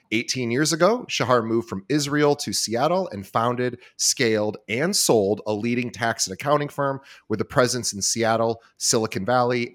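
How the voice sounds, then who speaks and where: A man hosting an interview podcast, introducing his guest with energy and plenty of repeated words. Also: medium pitch. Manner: energetic, repeats himself, self-deprecating. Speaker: podcast host.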